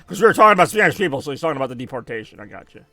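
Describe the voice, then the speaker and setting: A man's voice: a little high, very animated, rapid-fire, bright, forceful tone, dry recording, faint music behind. An American man chatting casually and rambling while streaming a video game, often correcting himself and reacting to his deaths in the game. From United States. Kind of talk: casual gameplay chat.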